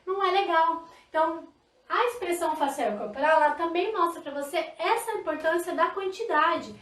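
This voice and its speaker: A woman from Brazil teaching a live online sign language class, lively and demonstrative. Her voice is high. It is picked up a little off-mic in an echoey room. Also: a little fast, far from the mic. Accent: Brazilian Portuguese. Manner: lively, demonstrative, talks to viewers directly. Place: indoor room, live stream.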